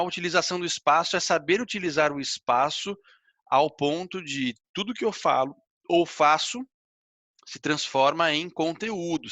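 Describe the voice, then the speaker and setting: A man's voice: a little high, sharp tone, dry recording. A man teaching public speaking in a recorded online lesson, explaining step by step, asking rhetorical questions and checking in with "tá?". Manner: explanatory, asks rhetorical questions, often ends with "tá?". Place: own filming spot, recording videos.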